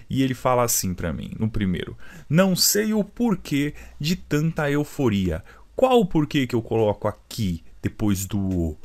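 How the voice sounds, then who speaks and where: Brazilian man teaching a video lesson. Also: mid-range voice. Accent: Brazilian Portuguese. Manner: explanatory, repeats rules, asks the viewer questions.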